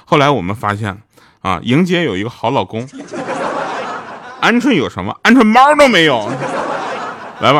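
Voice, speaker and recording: A man's voice: lowish voice, noisy background. A man hosting a comedic podcast, joking and mocking himself, often laughing as he talks. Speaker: podcast host. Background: background music.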